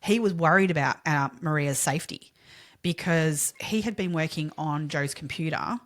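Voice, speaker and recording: A low-pitched Australian woman chatting on a true-crime podcast. She explains things patiently, pausing often with ums and restarting her sentences. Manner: explanatory, hesitant with frequent fillers and restarts. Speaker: podcast co-host. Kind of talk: casual true-crime chat.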